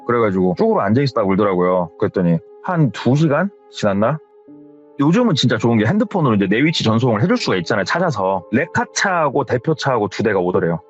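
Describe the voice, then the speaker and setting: A man's voice: mid-range voice, sing-song, fast talker, muffled recording, soft background music. A man telling a horror story casually, retelling what someone else told him in a conversational tone. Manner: conversational, retells secondhand with hearsay endings.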